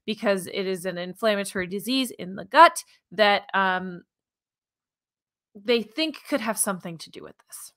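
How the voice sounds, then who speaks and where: A woman, co-hosting a science podcast in an animated, informal, emphatic conversational way. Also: medium pitch, moderate pace. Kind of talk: conversational science news presentation. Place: small furnished room at home, indoors. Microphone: video call, wearing headphones.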